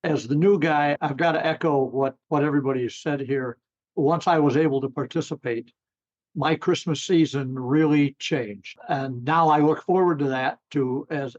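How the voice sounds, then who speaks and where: A man's voice: a little high, steady tone, moderate pace, darkish tone. A man chatting casually as a guest, with slightly lo-fi recorded sound. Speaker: amateur actor, guest. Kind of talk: casual conversation.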